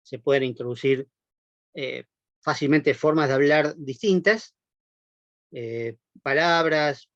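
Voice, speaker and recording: Speaking slowly with long pauses, this university lecturer has a fairly high voice. He explains things patiently, often checking on listeners through tag questions and "eh" fillers, and the dull lo-fi recording is dry.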